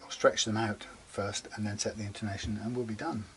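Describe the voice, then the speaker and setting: Man, low voice, rambling workshop chat, mutters while working, faint hiss behind. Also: level tone, fairly quick, fairly bright tone. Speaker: guitar repair demonstrator. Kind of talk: casual workshop how-to talk.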